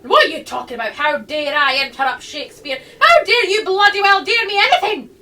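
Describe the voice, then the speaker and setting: A woman playing a bossy, sharp-tongued eccentric in a radio play, switching between scolding and condescending endearments. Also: high voice, animated, fairly quick, far from the mic, full character voice. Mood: scornful, scolding.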